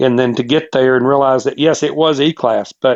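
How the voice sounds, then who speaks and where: A man with an East Tennessee accent, medium pitch, monotone, flat intonation and a moderate pace. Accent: US Southern (East Tennessee). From Tennessee, Knoxville. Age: 50s. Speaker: amateur clay target shooter. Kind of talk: podcast interview.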